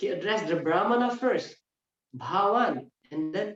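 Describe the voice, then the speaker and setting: A man speaks with an Indonesian accent and lively intonation. Audible room echo surrounds his voice. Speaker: religious teacher. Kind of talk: lecture.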